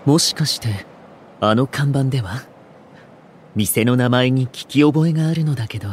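A man playing a composed, courteous and earnest gentleman in a voice drama, with measured, slightly formal speech. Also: medium pitch, slight background noise, lightly acted. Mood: calm, earnest. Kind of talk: Japanese voice drama acting.

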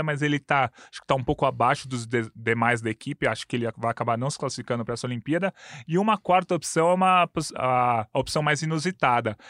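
A man in his thirties with a Brazilian Portuguese accent, talking sports in a casual chat, quick and full of stats. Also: medium pitch, fairly bright tone, dry recording, clean studio sound. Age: 30s. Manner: quick, detailed stats-heavy talk. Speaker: sports commentator.

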